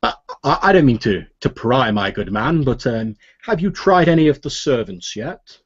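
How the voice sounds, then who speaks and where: A man's voice: medium pitch, animated, normal speed, husky. A man voicing a decadent masked male noble who is genteel, fawning and politely insinuating, on a dull lo-fi recording. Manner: fawning, overly polite, hesitant.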